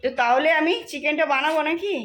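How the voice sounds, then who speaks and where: A woman chatting casually as she cooks in her home kitchen, explaining each step and keeping her voice soft. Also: high-pitched, fast talker. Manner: chatty, explains each step, talks softly while cooking. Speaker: vlogger cooking at home. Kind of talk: casual cooking vlog narration.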